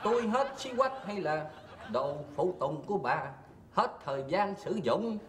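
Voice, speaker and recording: A penny-pinching old husband in a stage comedy sketch, with a high, lively voice that swoops around. He drawls slowly, grumbling about the cost of everything. The sound is roomy, with faint noise behind. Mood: teasing. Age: older.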